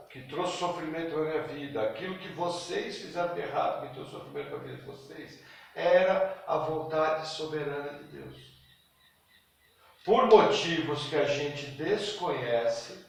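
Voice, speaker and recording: High-voiced teacher in echoey hall. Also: male voice, distant mic. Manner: conversational, asks the class questions, acts out little scenes. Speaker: Bible school teacher and preacher. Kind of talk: Sunday school teaching with class discussion. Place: church hall. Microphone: distant room mic.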